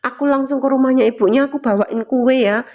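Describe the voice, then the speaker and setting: A woman's voice: sits high, fast, darkish tone. A woman telling a personal story to listeners, emotional and casual, often checking in with them. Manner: emotional, keeps asking listeners "you know?". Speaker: motivational storyteller.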